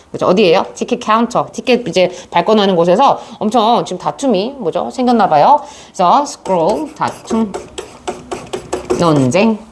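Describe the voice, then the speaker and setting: A woman's voice: on the high side, a little mellow. A woman teaching an English reading lesson in a chatty, storytelling way, with asides to her students. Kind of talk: casual classroom lecture.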